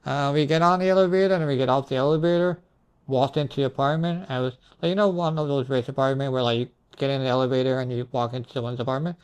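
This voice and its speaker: A man's voice: mid-range voice, fairly even intonation, fast, clean tone. A young man with a mid-range voice recounts his dreams casually. He sounds hazy and puzzled, drifting into asides and circling back as he tries to piece things together. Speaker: storyteller recounting own dreams. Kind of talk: casual rambling storytelling.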